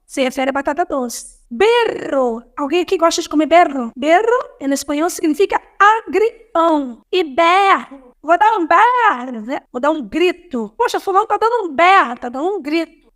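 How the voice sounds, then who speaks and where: A woman's voice: extremely high pitch, lively intonation, normal speed. A Brazilian woman with a Brazilian Portuguese accent, a teacher explaining words in a casual online lesson, repeating terms and often adding "né". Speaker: language teacher.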